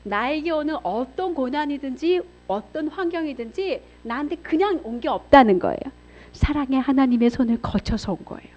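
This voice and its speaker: A middle-aged woman, a pastor's wife, giving an expressive church seminar sermon, swinging between loud and hushed as she acts out voices. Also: sits high, normal speed. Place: church hall. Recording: dull lo-fi sound.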